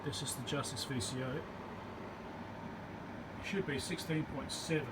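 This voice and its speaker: Steady hum and room noise fill this clip of a man repairing electronics at an indoor workbench. His mid-range voice thinks aloud in an informal, stop-and-start, step-by-step manner.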